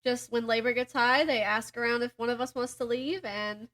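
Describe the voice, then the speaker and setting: A woman podcast co-host with a high, bright voice chats casually with a friend. She is giggly and reacts expressively. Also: fairly even intonation, a little fast.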